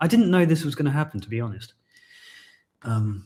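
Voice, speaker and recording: On a very clean recording with a silent background, a man speaks in a somewhat breathy voice with ordinary pitch variation. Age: 40s. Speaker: sobriety YouTuber. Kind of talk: livestream talk. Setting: livestream. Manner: casual, hesitant with false starts.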